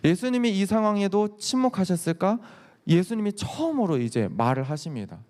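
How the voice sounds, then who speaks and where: A man preaching a sermon as youth pastor, telling the story in an animated way and acting out the quotes. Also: high voice, brisk. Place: church sanctuary. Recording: reverberant church hall.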